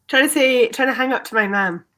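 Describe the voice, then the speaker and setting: A woman's voice: on the high side, a little fast, a bit bright. A woman comedian with a Shetland Scottish accent, chatting casually on a comedy panel. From Shetland, Scotland. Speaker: improv comedian.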